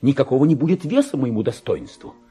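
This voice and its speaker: An actor playing a deluded clerk who believes he is a king, in a pompous, erratic, theatrical radio monologue that swings from hushed to shrill. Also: wildly swooping pitch, quick pace, breathy edge, faint music behind. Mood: grand, secretive. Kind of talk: dramatic literary monologue, Russian radio play.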